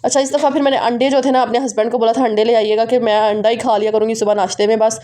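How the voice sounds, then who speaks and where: A woman vlogger with a Pakistani Urdu accent, chatting quickly and directly to her viewers in a casual voice-over. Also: a little high, level tone, warm tone. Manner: fast, run-on, talking straight to viewers.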